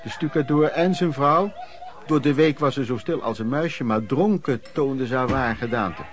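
An actor playing an earnest, aghast storyteller narrating lodging-house memories in a radio play. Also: male voice, mid-range voice, normal speed, lightly acted. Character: male storyteller recalling lodging-house misery, shocked and earnest. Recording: crowd noise behind the voice.

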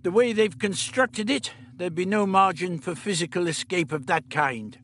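A man voicing an irritable elderly male time traveller who lectures in a brisk, clipped, scolding way. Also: high voice, fairly bright tone, pitched above the performer's own voice. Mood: lecturing.

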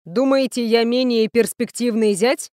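A woman's voice: a little high, fairly even intonation, a little slow, darkish tone, no echo, clean studio sound, close to an everyday voice. A woman voicing an insolent, mocking young nobleman mage in a fantasy audiobook.

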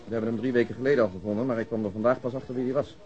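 A man's voice: mid-range voice, steady tone, rapid-fire, warm tone, soft background music, close to an everyday voice. A man playing a polite police investigator in a radio drama, speaking formally and precisely. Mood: matter-of-fact. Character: businesslike, polite male police investigator giving facts. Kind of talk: Dutch radio drama acting. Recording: dull, lo-fi radio drama recording.

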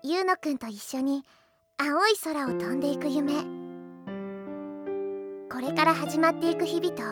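A woman's voice: sits high, moderate pace, over loud music, lightly acted. A woman playing a cheerful, eager, earnest young girl learning magic in a Japanese anime audio drama, with a sweet childlike manner. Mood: gentle, reflective.

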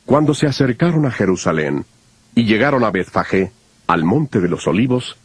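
A man narrating dramatized scripture in a measured, expressive way. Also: on the low side, slightly rough, no echo.

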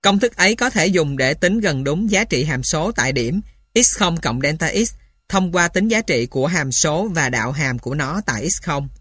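A woman's voice: deep voice, animated, moderate pace, a bit bright, slightly rough, dry recording, clean studio sound. A woman reading a textbook aloud in a dictating manner, spelling out each item piece by piece as scripted narration. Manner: dictating, spelling out formulas and punctuation symbol by symbol. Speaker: reader of a mathematics textbook.

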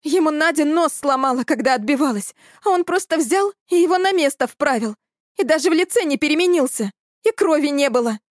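A woman's voice: sits high, expressive, fairly quick, no echo, clean studio sound, pitched above the performer's own voice. A woman voicing a hysterical young woman whose voice trembles and breaks near tears. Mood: panicked shrill.

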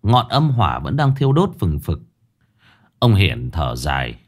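A man's voice: deep voice, huge pitch swings, measured pace, darkish tone. Dramatic male ghost story narrator.

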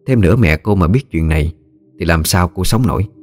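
A man narrating a scripted ghost story in a steady storytelling manner. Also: deep voice, a little fast, soft background music.

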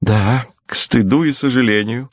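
A man's voice: medium pitch, normal speed, no room sound, natural voice. A man voicing a stern, gloomy woman nurse who speaks reproachfully and indignantly, on a dull lo-fi recording.

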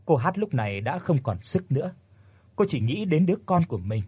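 A man narrating a scripted ghost story in a steady, measured way. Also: a little high, breathy edge, dry recording.

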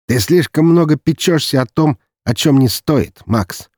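Male reader as a cruel young nobleman, lazy, mocking, threatening, raised voice, husky, dry audiobook sound. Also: on the high side, measured pace, darkish tone, dry recording, pitched above the performer's own voice.

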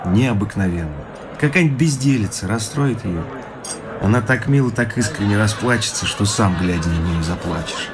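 Earnest young husband Zhadov. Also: male voice, fairly low pitch, animated, moderate pace, background noise. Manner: earnest, soft-spoken, sincere. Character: earnest young idealist Zhadov, recently married man. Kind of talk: radio play acting.

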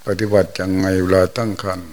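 Older monk, low folksy sermon. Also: male voice, fairly even intonation, darkish tone. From Thailand. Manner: folksy, unhurried storytelling with exclamations. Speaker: monk giving a Dhamma talk.

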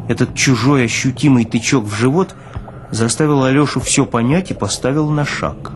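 A male actor narrates literary fiction. His voice sits at a medium pitch, and his reading is expressive, shaped as a performed audiobook. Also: moderate pace, slight background noise.

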